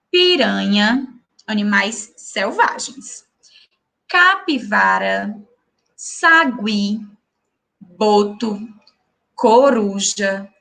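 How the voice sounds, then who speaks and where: A woman's voice: on the high side, a bit bright. A woman teacher with a Brazilian Portuguese accent giving a recorded school lesson, patiently asking the class questions and praising their answers. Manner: slow, clear classroom delivery.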